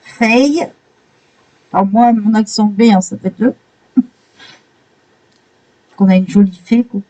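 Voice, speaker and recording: Mellow-voiced woman gushing over pages. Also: mid-range voice, fairly even intonation, a little slow, low-quality recording. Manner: admiring, exclamatory. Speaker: coloring book reviewer. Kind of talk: casual flip-through commentary.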